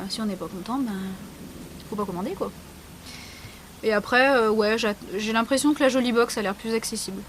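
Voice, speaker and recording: A woman's voice: medium pitch, slight background noise, low-quality recording. A young woman vlogger talking casually and bluntly, sarcastic and frank, with lots of fillers. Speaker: beauty vlogger. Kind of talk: casual vlog answering a question tag.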